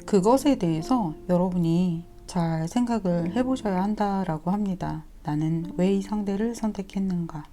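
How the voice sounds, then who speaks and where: A woman with a slightly sore throat giving a tarot reading, talking gently and coaxingly to her viewers. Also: lowish voice. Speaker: tarot reader. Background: soft instrumental music.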